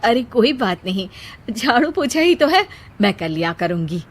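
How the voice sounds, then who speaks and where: Brief: woman reading a warmhearted elder sister, gentle, reassuring, storybook tone. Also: on the high side, very animated, moderate pace. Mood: kind. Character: kind, self-sacrificing older sister. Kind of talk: storybook character voice.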